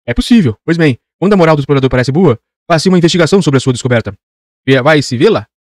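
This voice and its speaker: A man's voice: fairly high pitch, animated, racing, dry recording, clean studio sound, lightly acted. A man voicing a self-important old geographer who lectures pedantically. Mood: lecturing. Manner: lecturing, pompous.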